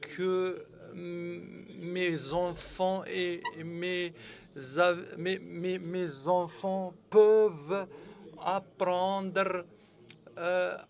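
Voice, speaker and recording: A man giving a halting conference presentation, very hesitant, with constant hesitations and restarted words. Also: high voice, flat delivery, creaky. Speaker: conference speaker.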